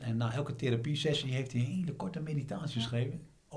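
Somewhat breathy and at a medium pitch, a man with a Utrecht accent speaks at a very fast pace amid audible room echo. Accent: Spakenburg dialect tongue, kept. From Spakenburg, Netherlands. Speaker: theologian. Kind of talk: casual chat.

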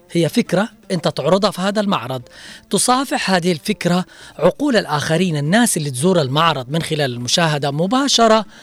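A man talks at a moderate pace in a high pitch with lively intonation. Music plays in the background. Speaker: radio host. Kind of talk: radio call-in talk show. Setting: radio studio.

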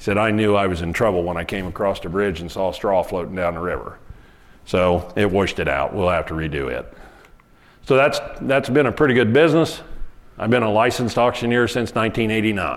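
A man with an American accent talks at a fairly quick pace in a fairly low voice. His intonation is lively, and audible room echo is present. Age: 50s. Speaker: farmer. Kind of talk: conference talk.

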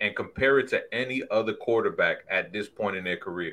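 A man with a New York accent. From Brooklyn, New York. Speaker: sports podcast panelist. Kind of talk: casual sports roundtable.

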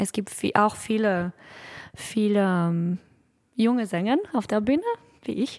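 A woman with a French accent at a medium pitch, with ordinary pitch variation, a very slow pace and long, frequent pauses, on a very clean recording with a silent background. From southern France. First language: French (speaking German). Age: 20s. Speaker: opera soprano. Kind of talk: panel discussion. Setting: guest room at the opera house. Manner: halting, hesitant.

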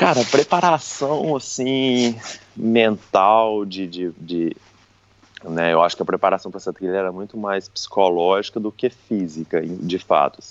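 This man speaks at a fairly slow pace with a fairly low pitch. His intonation is lively, and his loudness swings widely. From Brazil, Minas Gerais (Barbacena). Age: 20s. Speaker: long-distance hiker. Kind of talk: casual interview. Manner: hesitant, many fillers.

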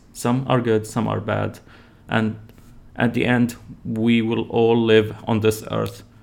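A man talks at a very slow pace, leaving long, frequent pauses. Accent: Syrian. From Syria. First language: Arabic. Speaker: comedian. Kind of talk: interview. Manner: halting.

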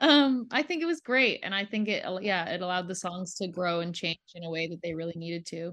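A woman with a Canadian accent speaks at a fairly quick pace, with hardly any pauses and lively intonation, in an unremarkable speaking voice. Her pitch is medium, and the background is quiet. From Ontario, Canada. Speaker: singer-songwriter. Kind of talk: interview.

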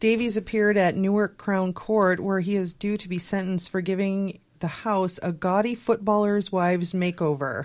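Speaking at a moderate pace with hardly any pauses and fairly even intonation, this is an unremarkable speaking voice on a very clean recording with a silent background. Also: woman, medium pitch for a woman. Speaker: paranormal quiz show panelist. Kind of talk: casual chat.

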